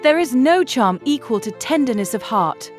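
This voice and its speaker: A woman acts out a self-assured young gentlewoman from a period novel. Her pitch rides high and swings expressively as she makes emphatic, affectionate points in careful phrases, over faint music. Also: lively intonation, normal speed. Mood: fervent, admiring. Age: young adult. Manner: earnest, emphatic, articulate. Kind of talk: dramatised classic novel audiobook acting.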